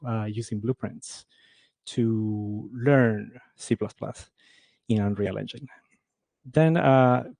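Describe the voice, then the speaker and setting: A man's voice: medium pitch, mellow, no echo. A man from Ecuador giving a conference talk on game audio, speaking with many fillers and restarts.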